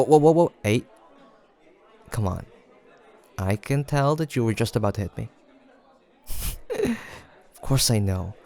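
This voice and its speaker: A man acting a playful, creaky-voiced teasing guy friend. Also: mid-range voice, a little mellow, full character voice. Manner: playful teasing, frequent chuckles, casual banter. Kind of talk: improvised audio roleplay addressed to the listener.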